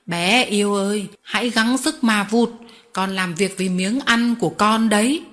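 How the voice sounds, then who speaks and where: A woman's voice: medium pitch, unhurried, a bit bright, lightly acted. A woman reading an audiobook voices a sly, cruel male boss who talks sweetly while threatening children, in a mocking, menacing way. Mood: coaxing.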